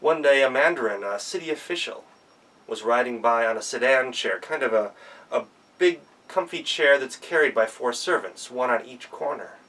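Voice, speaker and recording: A man's voice: medium pitch, expressive, normal speed, a bit bright. Male folktale storyteller, recorded at a distance. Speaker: professional storyteller. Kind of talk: oral folktale storytelling, performed live.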